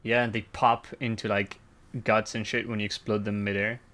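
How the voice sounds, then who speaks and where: A man's voice: lowish voice, level tone, moderate pace, a bit bright. A man streaming a game, chatting casually with crude jokes and frequent laughs. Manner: crude joking, laughs often. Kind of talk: casual gaming chat.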